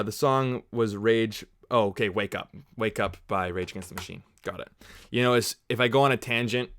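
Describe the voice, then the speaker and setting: A Canadian man hosts a casual movie watch-along livestream, chatting with viewers, answering them, and wandering off on tangents. His voice is lowish with a fairly bright tone, captured in a dry, studio-quality recording.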